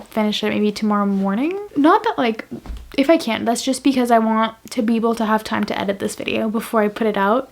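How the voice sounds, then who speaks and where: A woman's voice: on the high side, a little mellow. A woman in her twenties from Quebec, French her first language, with a Quebec French accent, rambling chattily through a casual reading vlog with lots of restarts and fillers. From Quebec, Canada. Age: 20s. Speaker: book vlogger. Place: home office at night.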